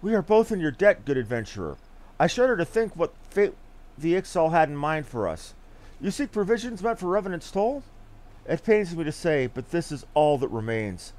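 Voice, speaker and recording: A man's voice: on the high side, sing-song, normal speed, a little mellow. Formal, shaken coachman for a fantasy game, done by a male streamer, lightish voice, very varied intonation. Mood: grave, apologetic. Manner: formal, archaic storybook phrasing. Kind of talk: reading game dialogue aloud in character.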